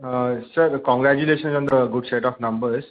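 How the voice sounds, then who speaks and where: A man, politely and haltingly putting questions as an investor on an earnings call. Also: medium pitch, fairly even intonation. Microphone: phone. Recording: narrowband phone line.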